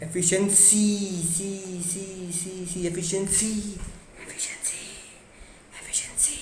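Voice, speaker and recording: A male teacher giving an energetic exam-prep lecture, repeating key words and answering himself in a lower voice for his students. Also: reverberant, slight background noise.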